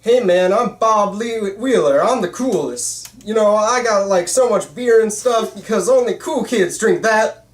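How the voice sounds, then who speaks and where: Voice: medium pitch, measured pace, pitched above the performer's own voice, natural voice. An amateur actor doing a mocking impression of a boastful, dim school bully, swaggering and bragging. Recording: roomy, echoey room.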